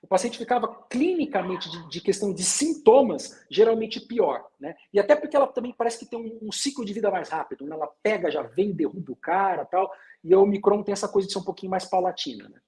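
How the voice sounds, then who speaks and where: A middle-aged male doctor on a live video call with a very expressive, swinging pitch. He tells stories from the clinic and mimics his patients. His tone is chatty and quick to react. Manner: lively storytelling, quotes patients. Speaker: doctor guest. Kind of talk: casual live-stream medical chat.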